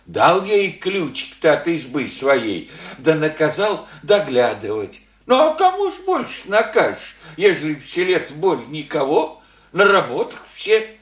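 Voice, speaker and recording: An actor playing an old village widower, gentle and grieving, talking in folksy rural speech with sighs. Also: male voice, on the high side, big pitch swings, roomy sound. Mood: mournful. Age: older. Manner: folksy rural speech, slow and rambling, sighing. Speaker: elderly village father. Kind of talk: radio play acting.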